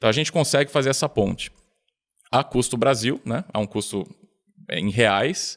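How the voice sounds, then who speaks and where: At a moderate pace and medium pitch, a man speaks with lively intonation and long, frequent pauses, in a dry, close sound with no echo. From Brazil. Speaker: tech company founder and CEO. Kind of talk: podcast interview.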